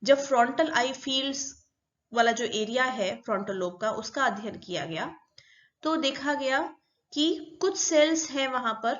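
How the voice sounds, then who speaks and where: A woman with a fairly high voice teaches a psychology lecture. She explains patiently, one step at a time, and repeats the key terms. The recording sounds dull and lo-fi. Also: fairly bright tone.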